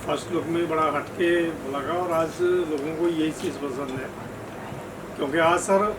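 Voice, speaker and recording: A man's voice: fairly high pitch, steady tone, a little slow. A man giving unscripted remarks at a press event, often repeating his words and phrases. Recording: distant mic, noisy room.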